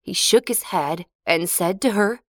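A woman narrates a children's fairy tale in a clear, expressive storybook voice. Her pitch sits in the middle range. The recording is dry and close. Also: a little slow, dry recording.

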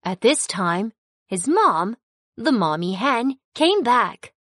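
Expressive woman narrating a kids' story. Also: a little high, slow, no room sound, clean studio sound.

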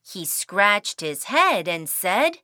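A woman's voice: mid-range voice, very animated, slow pace, pushed and bright, no echo, studio quality. A woman narrating a children's cartoon in a sing-song, cheerful storytelling way.

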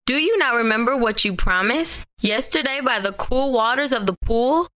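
A small, persistent frog from a fairy tale, coaxing in a soft but bright voice. His lines rise and fall with feeling, as a woman reader puts him on. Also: a little high, animated, normal speed. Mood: pleading.

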